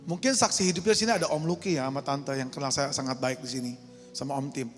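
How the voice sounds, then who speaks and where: A man's voice: medium pitch, quick pace. A man in his thirties preaching a candid, conversational testimony, joking with the congregation in a reverberant church hall with music. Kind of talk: sermon testimony.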